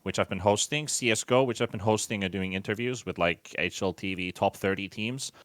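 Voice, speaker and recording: A man's voice: on the low side, fairly quick, fairly bright tone, dry recording. A Finnish man in his late twenties with a Finnish accent, chatting casually as a guest about his work and travels. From Finland. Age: 20s. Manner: chatty, self-deprecating, lists things off. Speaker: esports commentator, guest. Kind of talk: casual conversational interview.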